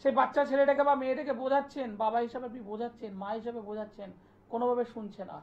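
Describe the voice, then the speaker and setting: A man, an astrologer hosting a live TV call-in show, delivering an insistent, repetitive pitch and taking callers' details. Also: flat delivery, racing. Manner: insistent, repetitive sales pitch, listing place names. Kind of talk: live TV promotional talk and phone call-in. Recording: dull lo-fi broadcast sound.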